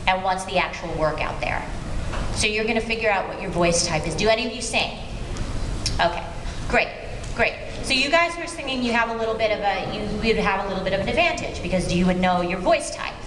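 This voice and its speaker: A woman's voice: medium pitch, animated, fairly quick. Woman giving a panel talk in an echoey hall. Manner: conversational, explanatory, rambling asides. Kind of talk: informal workshop talk to an audience. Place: convention panel room with audience. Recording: echoey hall, clear background noise.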